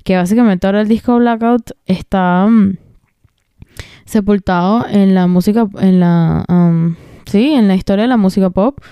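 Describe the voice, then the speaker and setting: A young woman hosting a chatty podcast, her voice warm and smooth. She talks with emphasis and slang, tossing in English phrases. The recording is dry and close. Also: mid-range voice, moderate pace, dry recording. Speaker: podcast host. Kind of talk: casual podcast commentary.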